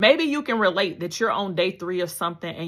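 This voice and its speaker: A woman speaks at medium pitch in a bright, sharp tone. The recording is very clean, with a silent background. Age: 40s. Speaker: online business coach. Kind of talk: casual talk to camera. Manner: upbeat, encouraging.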